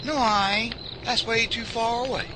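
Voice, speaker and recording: A man's voice: very high-pitched, fairly even intonation, measured pace, background noise. A man voicing a jumpy, trigger-happy backwoods man in a radio drama, with a drawl and a defensive manner. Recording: loud night crickets behind.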